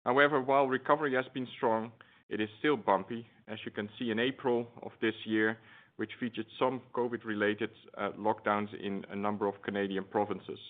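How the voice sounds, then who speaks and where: A man speaking as a company executive, giving a formal, businesslike scripted earnings presentation over a conference phone line. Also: on the low side. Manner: formal, businesslike corporate delivery. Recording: tinny, band-limited conference phone line.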